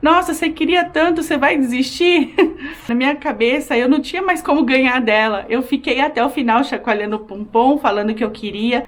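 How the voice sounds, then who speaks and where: Chatty woman vlogger telling a story. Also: a little high. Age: adult. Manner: animated, frequent fillers, acts out shouting. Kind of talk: casual storytelling to camera.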